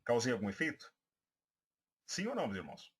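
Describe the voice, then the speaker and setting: With a husky, mid-range voice that swings hugely in pitch, this pastor talks fairly quickly in a Brazilian Portuguese accent. He gives a recorded preaching class for church members, addressing them as brothers, hesitating and restarting with many fillers.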